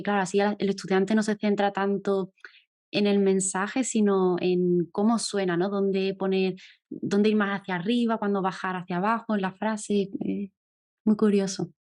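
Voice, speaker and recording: A woman's voice: mid-range voice, darkish tone. Woman host interviewing a guest, engaged, sums things up, normal middle voice. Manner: engaged, sums up and adds points. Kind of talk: casual interview talk.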